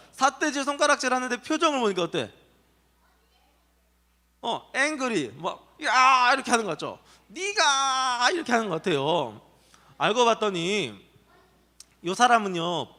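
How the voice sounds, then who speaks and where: A man pastor leads a children's service, telling a Bible story with lots of questions to the kids. His voice is high and bright and swings widely in pitch. It rings out in a reverberant hall. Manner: animated, asks children questions and acts out voices. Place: church children's worship hall.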